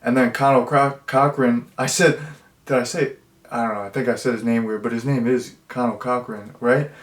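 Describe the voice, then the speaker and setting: Casual male film reviewer, meandering and jokey, mid-pitched, in a roomy echoey space. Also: steady tone, a little fast. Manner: rambling, full of fillers and jokey asides. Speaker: movie reviewer. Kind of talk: casual chat. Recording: roomy echo.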